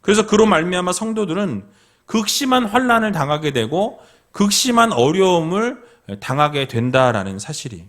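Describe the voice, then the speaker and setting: Korean pastor preaching with lively pitch. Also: male voice, normal speed. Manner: earnest, addresses congregation directly with rhetorical questions. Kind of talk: sermon.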